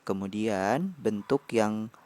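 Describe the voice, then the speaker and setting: Male tutor, lowish voice, unhurried measured lesson delivery. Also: animated, a little mellow. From Indonesia. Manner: measured, pauses between short phrases. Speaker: math tutor. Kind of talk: slow explanatory lecture.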